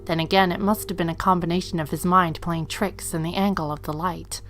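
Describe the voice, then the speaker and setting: Lady narrator reading audio drama story, lowish voice, faint music underneath. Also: steady tone, brisk, fairly bright tone.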